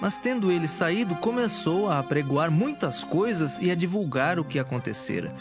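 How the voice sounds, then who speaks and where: A man's voice: on the high side, big pitch swings, normal speed, music in the background. A man narrating a dramatized audio Bible in a solemn, formal storytelling style.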